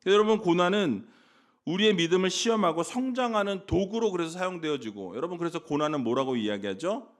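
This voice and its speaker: Lively, animated male pastor preaching. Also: sits high, a little fast. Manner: lively preaching with rhetorical questions and sudden shouts; jokes with a sleepy congregation. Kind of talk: sermon.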